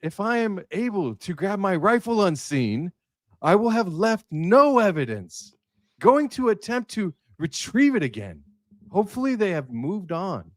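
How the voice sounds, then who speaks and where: A man reading out the part of an anxious young man confessing, in a halting, theatrical script read. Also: high-pitched, no echo. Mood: worried, brooding. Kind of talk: mock-dramatic script reading.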